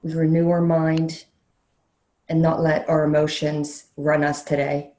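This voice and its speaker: Low-voiced woman guiding meditation, roomy echo. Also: level tone, warm tone. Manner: slow, soothing delivery with long pauses. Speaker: meditation leader, counselor educator. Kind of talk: guided meditation. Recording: roomy, echoey sound.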